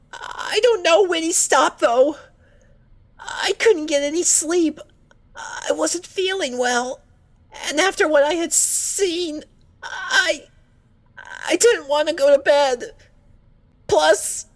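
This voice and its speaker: A woman voicing a timid, traumatized female cartoon pony in a fan fiction audio drama, speaking in a halting, tearful way. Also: high-pitched, no room sound. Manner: halting, hesitant, tearful delivery.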